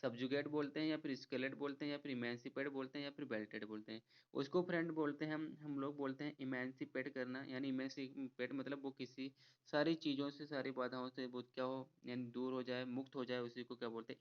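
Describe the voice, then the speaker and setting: A man teaching an exam-prep vocabulary lesson, explaining each word slowly, repeating himself and asking viewers to guess. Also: mid-range voice, fairly even intonation, clean tone. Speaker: English teacher. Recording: slightly dull lo-fi audio.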